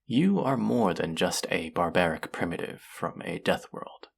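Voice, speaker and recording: A voice actor plays a cruel alien collector who coos over a captive as if over a treasure. The voice sits low and crackles with gravel, husky at the edges. The delivery is slow, condescending and savoring, often sinking toward a whisper in this intimate sci-fi roleplay. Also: lively intonation, heavily acted. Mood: coaxing, possessive. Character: cruel, covetous alien collector-artist feigning kindness to a captive. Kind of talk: dramatic second-person audio roleplay monologue.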